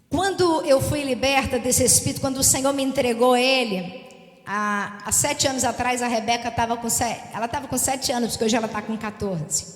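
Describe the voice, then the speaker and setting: A woman pastor giving an earnest, confiding personal testimony within a sermon. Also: a little high. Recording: echoey hall reverb.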